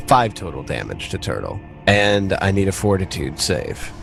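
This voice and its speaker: A man's voice: sits low, very animated, normal speed, creaky, a bit bright, soft background music. A man narrating a tabletop roleplaying game as game master in a casual, conversational way. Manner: informal, conversational.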